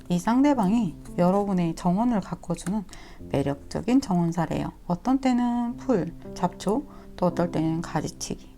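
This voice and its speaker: Soft-spoken woman giving a tarot reading. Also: fairly low pitch. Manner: gentle, coaxing, addresses viewers directly. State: slightly sore throat. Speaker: tarot reader. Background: soft instrumental music.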